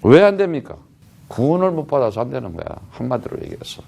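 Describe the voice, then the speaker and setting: Guy preaching a sermon, emphatic and chatty, keeps asking the crowd questions, average pitch. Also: big pitch swings, fast, gravelly, mellow. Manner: emphatic, rhetorical questions, frequent "huh?" tags; conversational, plain speech to the congregation. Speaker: missionary preacher.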